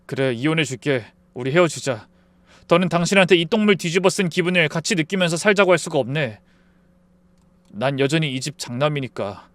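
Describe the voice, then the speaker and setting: A man's voice: a little high, animated, a little fast, no echo, lightly acted. Man playing a stern, furious young husband. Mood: resigned. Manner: shouting, then heavy and resigned.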